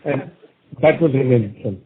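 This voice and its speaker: A man's voice: medium pitch, normal speed. A man questioning company management as a financial analyst on a conference call. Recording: noisy phone line with clicks.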